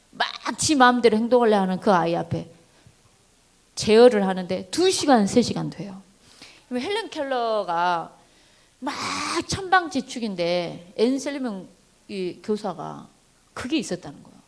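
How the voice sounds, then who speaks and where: A woman giving a sermon-style talk on parenting to a church congregation, animated, acting out voices and addressing listeners directly. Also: fairly high pitch. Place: church service.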